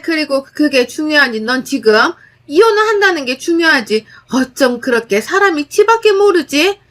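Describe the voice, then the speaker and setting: A woman's voice: high-pitched, a bit bright, pitched above the performer's own voice. A woman voicing a domineering older mother-in-law who scolds shrilly and indignantly.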